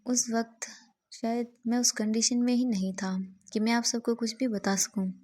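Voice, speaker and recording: A woman voicing a gentle, apologetic young man in a storybook reading, speaking softly and pleadingly. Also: fairly high pitch, fairly even intonation, moderate pace, natural voice.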